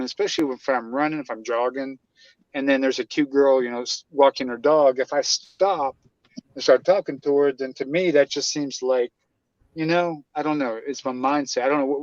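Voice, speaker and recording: A man's voice: mid-range voice, no room sound, lo-fi sound. Stammering man in his forties. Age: 40s. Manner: rambling, stammering restarts. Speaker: caller. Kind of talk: casual group call.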